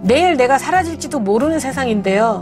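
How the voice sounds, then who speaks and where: With music in the background, the voice shows very wide pitch swings. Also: woman. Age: 50s. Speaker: vlogger. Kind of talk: reflective monologue to camera.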